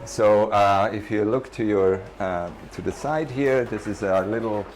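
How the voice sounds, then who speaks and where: A man with a lowish, somewhat dark voice speaks a little slowly as he walks visitors around an animal rescue center. He explains hesitantly, filling pauses with many fillers. The recording is outdoors, noisy, and full of barking dogs.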